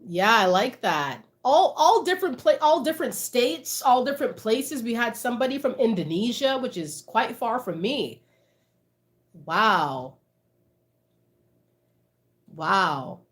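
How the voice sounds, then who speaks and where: A woman's voice: a little high, sing-song, slow, pauses often. A woman, chatting casually with livestream viewers, reading out their comments and laughing often. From Canada. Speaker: livestream host.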